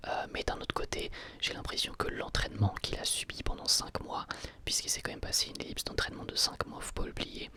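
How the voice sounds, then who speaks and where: A person giving a casual ASMR review in a soft, breathy, unvoiced whisper, hesitating and repeating words. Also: fairly quick.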